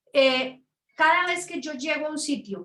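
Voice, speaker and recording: A woman speaks in a raised, projected voice with a bright, sharp tone and ordinary pitch variation. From Colombia. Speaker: tech entrepreneur. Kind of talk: interview.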